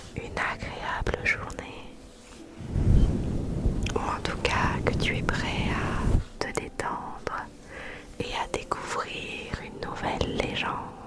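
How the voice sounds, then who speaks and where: Long, frequent pauses break up a woman's very slow whispering, with noticeable noise in the background. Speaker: ASMR storyteller. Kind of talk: whispered ASMR story reading, bedtime relaxation. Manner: soft, gentle, calming; whispered.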